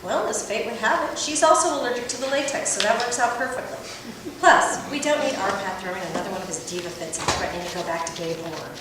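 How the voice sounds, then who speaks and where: A woman's voice: medium pitch, fast talker, close to an everyday voice. A woman playing a brash, sardonic adult-film producer and agent in a script read aloud, with a wry, teasing, theatrical manner. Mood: brisk, exasperated. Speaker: actor at a table read. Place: echoey room at a table read. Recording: distant mic in echoey, noisy room.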